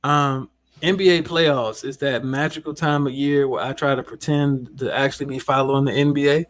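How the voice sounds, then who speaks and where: A man's voice: medium pitch, steady tone, moderate pace. A man from the South, chatting casually as a podcast co-host. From Southern United States.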